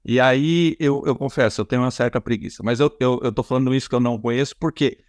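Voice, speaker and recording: A Brazilian-accented man at a mid pitch, chatting loosely as a podcast host. He circles back on himself, restarts phrases and leans on fillers. The sound is dry and close, with no room around it. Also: fast talker, no echo. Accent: Brazilian Portuguese. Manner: rambling, many restarts and repeated fillers. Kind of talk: casual conversational interview.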